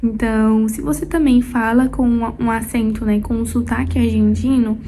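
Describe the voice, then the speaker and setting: Mellow, level-toned Brazilian woman tutor. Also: fairly high pitch, fairly even intonation, moderate pace, slight background noise. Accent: Brazilian Portuguese. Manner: chatty, loose, with frequent hesitation fillers and restarts. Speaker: Spanish exam tutor and course creator. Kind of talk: casual explanatory talk to camera.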